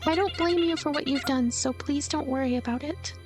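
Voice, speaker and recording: A woman acts out a small, earnest nun girl from a visual novel, timid and naive. The voice is pitched high and soft-hearted, pleading and apologetic, with music playing underneath. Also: brisk, natural voice. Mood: tearful apology. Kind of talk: acted reading of a visual novel.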